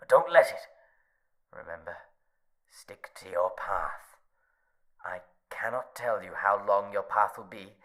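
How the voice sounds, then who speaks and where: An actor playing a mysterious guide who gives hushed, urgent warnings, often in a whisper. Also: male voice, fairly low pitch, low-quality recording.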